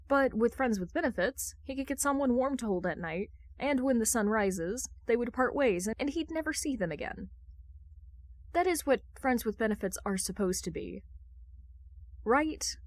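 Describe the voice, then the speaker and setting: Woman reading a fanfic out loud, mid pitched voice, really dry recording. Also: no room sound. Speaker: podfic reader. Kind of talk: scripted fan fiction narration.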